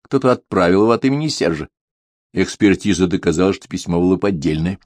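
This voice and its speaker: A man narrating an audiobook in a steady, even storytelling manner. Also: low voice, fast talker, dry recording. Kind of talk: scripted narration.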